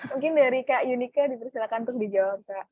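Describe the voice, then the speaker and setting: A woman's voice: fairly high pitch, quick pace, no room sound. Upbeat young woman moderating a webinar. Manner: upbeat, reads out questions. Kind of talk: hosting a Q&A. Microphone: video call. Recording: muffled dry call audio.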